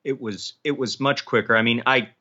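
A man's voice: medium pitch, steady tone, moderate pace, bright, forceful tone, muffled recording. A man talking casually as an interview guest, frank and assertive in how he puts things. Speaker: author and podcast guest.

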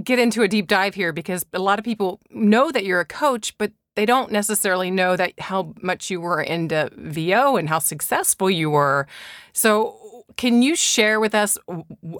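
A woman's voice: medium pitch, lively intonation, normal speed, a bit bright, no echo, clean studio sound. A woman asking questions as an interviewer in a casual, conversational style. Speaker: podcast interviewer.

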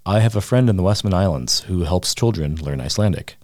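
A man narrating a scripted news feature as a reporter, measured and steady. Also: low voice, dry recording. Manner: measured, reads quotes aloud in the same voice. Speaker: radio reporter.

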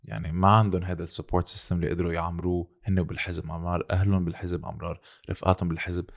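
A man with a Lebanese Arabic accent talks politics casually and insistently. His voice is very low with heavy creak, and he speaks quickly, repeating his points and dropping in English phrases. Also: level tone. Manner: code-switches into English.

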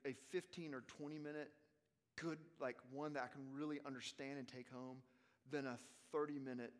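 A man with a Southern US accent answering questions in a casual, halting teaching style, rephrasing as he goes. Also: medium pitch. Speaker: preaching teacher leading a question session. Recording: long reverb of a large hall.

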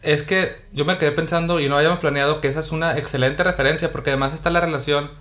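A young adult man, co-hosting a podcast with relaxed storytelling full of restarts. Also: on the high side, racing. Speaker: podcast co-host. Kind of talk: casual chat.

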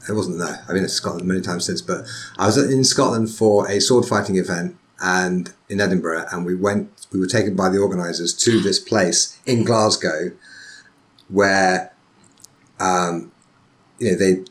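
Low-voiced male podcast host, jokey. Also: steady tone, normal speed. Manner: jokey, chatty, laughs often. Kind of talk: casual interview chat.

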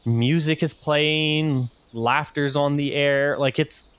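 A man's voice: fairly high pitch, steady tone, takes it slowly, fairly bright tone, clear, resonant tone, dry recording. A man narrating as game master, rambling with many fillers.

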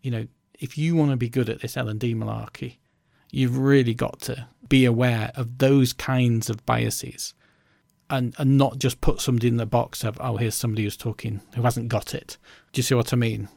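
A man with a gravelly, creaky voice, speaking in a chatty and reflective way. He works in learning and development and often falls back on "you know". The recording is dry and close. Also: medium pitch, steady tone, normal speed, darkish tone, dry recording. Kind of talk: casual conversational chat.

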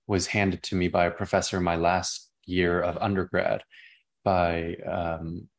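A young man with a naturally deep voice, a playwright answering interview questions in an expansive, enthusiastic way that drifts into tangents. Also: little pitch movement, a little slow. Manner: expansive, enthusiastic, prone to tangents and repeated words.

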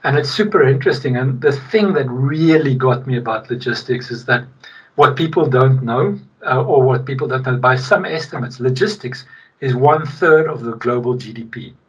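A South African man with a husky voice gives conversational interview answers. He speaks emphatically, repeating his points to drive them home. He sounds set back from the microphone, and the sound is slightly dull. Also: medium pitch, moderate pace. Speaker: podcast guest, logistics technology executive. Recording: distant, slightly muffled mic.

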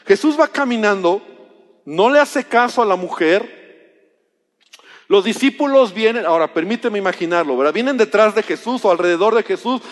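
Preacher guy, high pitched, chatty sermon acting out the bible scenes, big echoey church. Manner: conversational, acts out biblical dialogue.

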